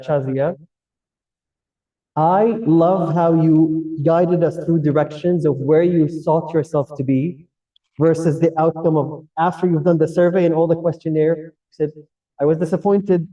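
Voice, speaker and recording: A man with a Kuwaiti Arabic accent and a very dark, soft-edged tone sits fairly high in pitch. He explains his points directly to listeners as a club evaluator, in semi-formal English shaped by his native Arabic. The recording is dull and picked up away from the mic. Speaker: general evaluator at a public speaking club meeting. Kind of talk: semi-formal spoken feedback to a club audience. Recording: distant mic, dull muffled sound.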